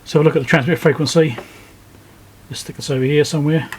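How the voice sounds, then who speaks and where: A man's voice: fairly high pitch, steady tone, fast, slight background noise. A man talking casually and thinking aloud as he hosts a hands-on electronics repair walkthrough. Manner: informal, thinking aloud while working. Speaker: electronics repair video host. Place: indoor electronics workbench.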